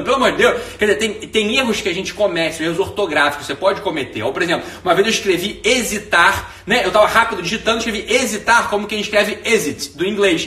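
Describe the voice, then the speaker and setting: A Brazilian man ranting to his followers in a casual monologue, profane and animated. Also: high-pitched. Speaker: online course teacher. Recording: echoey room, voice far from mic.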